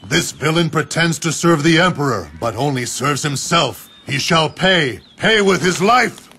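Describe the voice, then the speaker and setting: A man's voice: fairly high pitch, lively intonation, unhurried, bright, forceful tone, a little hiss or hum, heavily acted. An actor playing a righteous warlord rallying his troops in a game cutscene, with a rousing, declamatory delivery.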